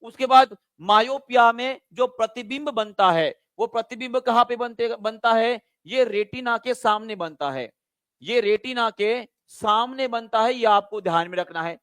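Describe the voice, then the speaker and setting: High-voiced man teaching a live class. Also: unhurried, a bit bright, clean tone, no echo. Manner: drills students with repeated questions and checks. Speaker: online teacher. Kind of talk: live online exam-prep class.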